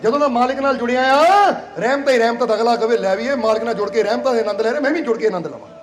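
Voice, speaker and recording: A man's voice: very high voice, racing. A man from Punjab, India, gives a sermon to his congregation as its spiritual leader. He is playful and coaxing, and he repeats phrases and keeps asking the crowd whether they understand. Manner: coaxing and playful, laughs between lines.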